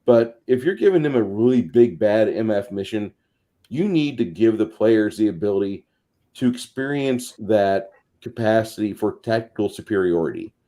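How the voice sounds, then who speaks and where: A man's voice: fairly low pitch, expressive, moderate pace, mellow. A man on a tabletop gaming talk show, chatting casually in a blunt, profane, emphatic way and acting out imagined quotes. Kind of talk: casual discussion of game mastering.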